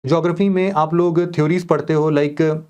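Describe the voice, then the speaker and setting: A man's voice: a little high, steady tone, normal speed, a little mellow, clean tone. A man teaching exam aspirants, explaining a course plan in a conversational way and mixing in English words. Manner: conversational, mixing English words into Hindi, addressing students directly. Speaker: online exam coaching teacher. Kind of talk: explaining a course schedule to students.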